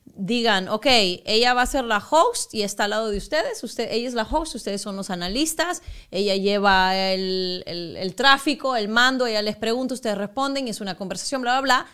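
A young woman, a sports broadcaster, telling stories in a casual interview, animated and acting out the voices she quotes. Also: on the high side, moderate pace, clean tone. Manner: animated, acts out quoted voices, frequent restarts.

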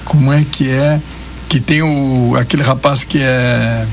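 A man's voice: medium pitch, fairly even intonation, unhurried, a little hiss or hum. Chatty middle-aged gaúcho man. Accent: Gaúcho Brazilian Portuguese. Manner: chatty, blunt, colloquial. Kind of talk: casual radio banter.

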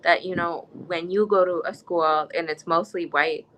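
A woman's voice: fairly low pitch, steady tone, normal speed, fairly bright tone, low-quality recording. A young woman from the United States speaking in an interview, earnest and impassioned, often restarting her sentences. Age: young adult. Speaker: interviewee, student. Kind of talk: conversational interview.

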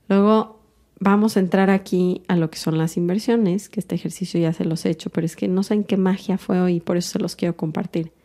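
A woman speaks in a calm, introspective podcast monologue. Her voice is mellow and sits a little low. She works through her feelings in an unhurried, thoughtful way. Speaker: podcast host.

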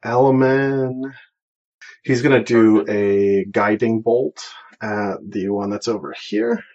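A man running a tabletop game as game master, improvising narration in halting, repetitive phrases. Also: on the low side, lively intonation, a little mellow, muffled recording.

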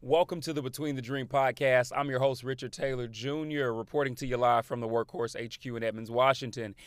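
Man, African American accent, podcast host, mid-pitched voice, animated and slangy motivational talk, close dry sound. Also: brisk, clean tone, no echo. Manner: animated, slangy, code-switching.

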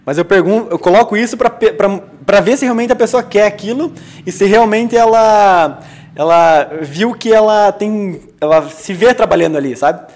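Reflective man, fairly high voice. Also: moderate pace, a little mellow. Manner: reflective, hesitant restarts, drops to a low confiding tone. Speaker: podcast co-host. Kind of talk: casual business podcast chat.

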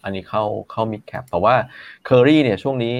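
A man giving stock market commentary in a measured, explanatory way. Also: on the low side, no room sound, lo-fi sound. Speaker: stock analyst.

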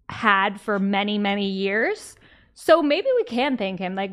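Chatty woman podcast host, slightly squeaky. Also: a bit bright. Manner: chatty, wry, reads out news items. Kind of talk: casual podcast chat.

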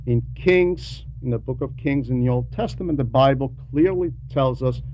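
A man delivering an Orthodox Christian homily in a deliberate, explanatory way, repeating phrases for emphasis. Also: medium pitch, darkish tone. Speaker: preacher reading a translated homily. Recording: dull lo-fi sound with background noise.

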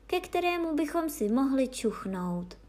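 A woman's voice: high-pitched, sing-song, a little mellow. A woman voicing a humble old dog pleading. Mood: reverent.

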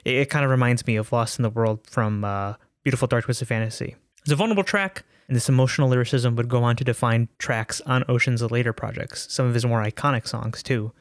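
A man giving a spoken album review in an earnest, thoughtful way, with a few restarts and drawn-out words. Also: mid-range voice, no room sound, clean studio sound. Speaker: music reviewer.

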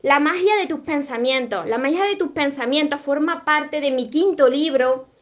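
A woman's voice: sits high, normal speed. A woman from Córdoba with an Andalusian accent, giving an earnest, encouraging motivational talk to her viewers on a live stream. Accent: Andalusian Spanish. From Córdoba, Andalusia, Spain. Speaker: motivational content creator and author.

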